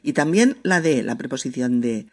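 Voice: mid-range voice, expressive, gravelly. A teacher giving a spoken language lesson, repeating each example word with care and often checking in with the listener. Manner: repeats words slowly to show pronunciation.

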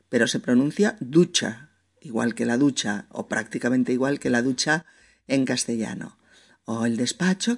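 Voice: medium pitch, vocal fry. A teacher giving a spoken language lesson, repeating each example word with care and often checking in with the listener. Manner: repeats words slowly to show pronunciation.

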